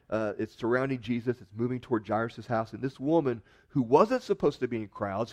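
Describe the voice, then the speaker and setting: A man delivers a sermon in an average-pitched voice, retelling a story with lively rises in pitch and loudness on key moments. He dramatizes quoted words and then drops back to a calm, earnest tone. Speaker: pastor.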